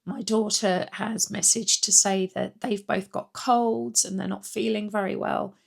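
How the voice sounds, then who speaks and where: A middle-aged woman talks through a casual vlog update, her voice croaky from a cold. She rambles a little and restarts often. Her tone is gravelly, and her pitch sits in the middle. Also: steady tone, a little slow. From Britain. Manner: rambling, chatty, frequent ums and restarts. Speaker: weight-loss vlogger.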